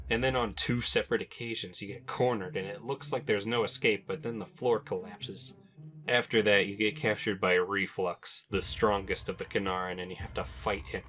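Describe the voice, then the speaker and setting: Young man, low voice, informal game commentary, wry asides, faint music behind. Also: fairly bright tone. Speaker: video game countdown host. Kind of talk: personal video commentary.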